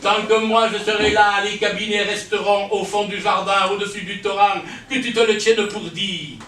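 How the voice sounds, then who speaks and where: A man voicing a gruff, stubborn old rural father, loud and scolding. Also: sits high, normal speed, distant mic. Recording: echoey room, heard from afar.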